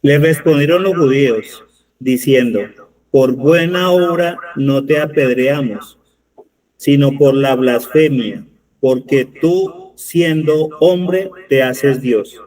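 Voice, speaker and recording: A man from the congregation reading scripture aloud in a careful, measured way. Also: mid-range voice, darkish tone, low-quality recording. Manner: careful and measured, corrects himself when reading.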